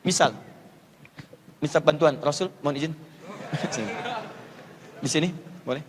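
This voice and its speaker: A man preaching to a live audience, teaching the sounds of Arabic letters by repeating them over and over and joking gently with volunteers. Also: a little high, measured pace, slight background noise. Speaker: Islamic preacher teaching Quran recitation. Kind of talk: live religious lecture with volunteers. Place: lecture hall before an audience. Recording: long reverb of a large hall.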